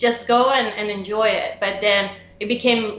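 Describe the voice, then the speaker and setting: With an Italian accent, a woman speaks over noticeable background noise, with audible room echo around her voice. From northeast Italy, near Venice. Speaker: classical guitarist and teacher. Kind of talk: interview.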